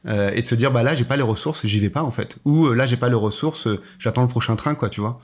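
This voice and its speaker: Talking fast at a medium pitch, a male podcast host asks questions in a casual interview. His style is friendly and informal, with plenty of filler words.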